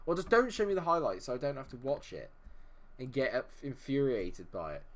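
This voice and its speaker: A man's voice: medium pitch, sing-song, brisk. Nasal man narrating a football game. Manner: exasperated, talks to the game and players. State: nasal from a cold. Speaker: gaming video host. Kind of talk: casual gameplay commentary.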